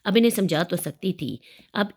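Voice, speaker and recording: A woman reading as a calm, insistent young woman. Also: lowish voice, slightly rough. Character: young woman, a determined medical graduate.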